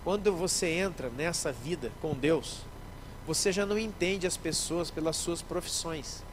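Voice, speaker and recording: A man, a pastor preaching a sermon in church, lively, acting out little scenes and speaking straight to the congregation. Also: fairly high pitch, a little slow, noisy background. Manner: animated, acts out scenes, addresses the congregation directly.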